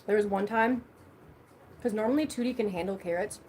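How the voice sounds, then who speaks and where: A woman's voice: medium pitch, a little fast, darkish tone, a little hiss or hum. A young woman hosting a casual livestream, chatting loosely and swearing freely while she eats. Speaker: livestream host.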